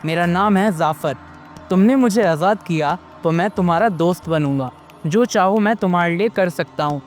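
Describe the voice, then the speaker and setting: A man voicing a friendly, loyal male jinn in a storybook tale, speaking in a warm, earnest way. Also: sits high, normal speed, faint music behind, natural voice.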